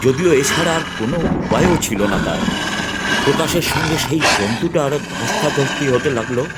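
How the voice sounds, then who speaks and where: Man narrating a horror story over music. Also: medium pitch. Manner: dramatic storytelling. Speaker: narrator and tantric guru.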